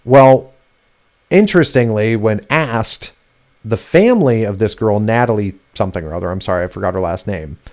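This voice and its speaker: A man's voice: lowish voice, expressive, normal speed, darkish tone. Sarcastic man hosting a talk show. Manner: sarcastic, mocking, swears freely. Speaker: podcast host. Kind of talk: casual political talk.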